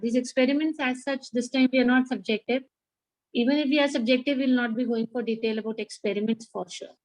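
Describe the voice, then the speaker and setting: Recorded dry and at low quality, this slightly high female voice belongs to a biology teacher with a South Asian accent. Her lecture is interactive: she goes over key points more than once and asks her students questions.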